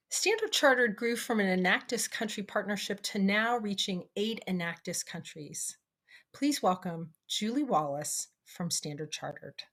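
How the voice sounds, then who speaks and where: Female event presenter, scripted delivery, medium-pitched voice. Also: a bit bright.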